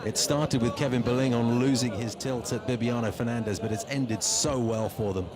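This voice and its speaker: A man's voice: medium pitch, moderate pace. A man giving live play-by-play commentary on a mixed martial arts fight. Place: noisy indoor fight arena, ringside. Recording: loud arena crowd and background noise. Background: roaring crowd and arena noise.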